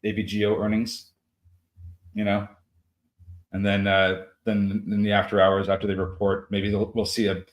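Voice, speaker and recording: A man co-hosting a live trading show, talking through price targets in a halting way with many fillers and restarts. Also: on the low side, monotone. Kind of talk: live market commentary.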